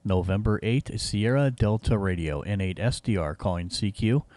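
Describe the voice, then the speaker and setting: A man's voice: lowish voice, moderate pace, a little mellow, no room sound. A man working as an amateur radio operator, giving call signs in phonetic words and making casual contact. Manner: repetitive phonetic call-sign delivery. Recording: faint background radio hiss. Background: faint hiss.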